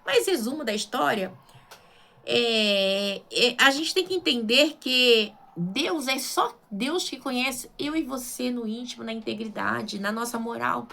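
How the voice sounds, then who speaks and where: A woman's voice: a little high, unhurried, creaky, pushed and bright. A woman with a Brazilian Portuguese accent preaching informally as a missionary, conversational and emphatic, often asking rhetorical questions and checking in with her listeners. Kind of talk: informal Bible sermon.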